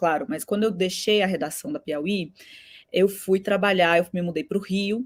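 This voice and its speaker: A woman is speaking. Her pace is fairly slow. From Brasília. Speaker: journalist and podcaster. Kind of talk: panel talk.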